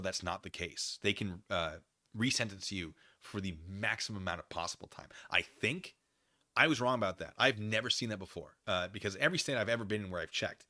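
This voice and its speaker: Bright, low-voiced American man rambling on stream. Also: no room sound, studio quality. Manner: animated, digressive, often losing his thread. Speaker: livestream host. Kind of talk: casual rambling livestream commentary, reading chat comments.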